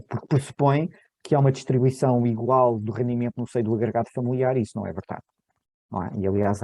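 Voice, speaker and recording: A man in middle age presents his research at an academic seminar, his voice very dark and warm. He stumbles and restarts often, repeating small words before pressing on. The sound is dry and close, with no room around it. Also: mid-range voice, no room sound.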